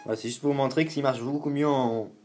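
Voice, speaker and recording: A man's voice: medium pitch, steady tone, quick pace, a little mellow, faint music behind. A man from France hosting a casual tech tutorial, rambling and correcting himself, with the odd swear word. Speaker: tutorial host.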